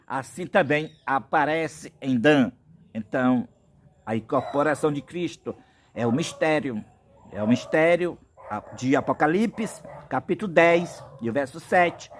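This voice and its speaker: A man's voice: on the high side, a bit bright, slight background noise. A man from Brazil preaching a prophetic sermon, insistent and packed with biblical references.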